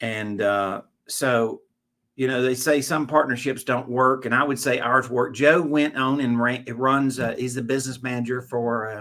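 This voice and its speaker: A man with a Southern US accent speaks at a moderate pace in a bright, sharp tone with fairly even intonation, on a very clean recording with a silent background. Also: medium pitch for a man. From US South, Jackson, Mississippi. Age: 60s. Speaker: note investor and mentor. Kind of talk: podcast interview. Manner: conversational with hesitations.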